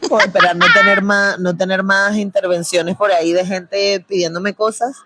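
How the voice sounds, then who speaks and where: A young adult woman with a Venezuelan Spanish accent, talking casually as an interview guest, chatty and quick to laugh, with slang. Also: medium pitch, steady tone, heavy background noise. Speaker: guest, producer and antiracism content creator.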